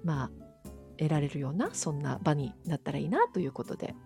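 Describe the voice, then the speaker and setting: A woman with a soothing voice, chatting as an interview guest in a gentle, polite and hesitant manner. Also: low voice, very animated, a little fast, vocal fry, faint music behind. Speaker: interview guest, audio streamer. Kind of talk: casual interview chat.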